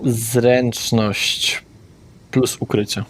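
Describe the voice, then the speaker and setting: A man running a tabletop vampire game as game master, describing scenes deliberately with pauses and fillers. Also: medium pitch, flat delivery.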